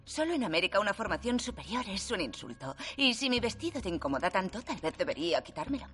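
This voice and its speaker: A proud, sharp-tongued scholar in a dubbed film, cutting and sarcastic. Her voice moves lively in pitch. Film music plays clearly beneath. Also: fast. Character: sharp-tongued female academic, proud and prickly. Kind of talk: Spanish film dub. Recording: film soundtrack with music under.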